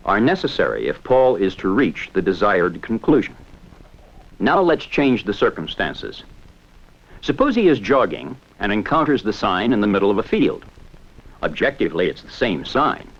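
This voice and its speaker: A man giving measured, explanatory scripted narration for a 1970s educational film. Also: on the low side, muffled recording.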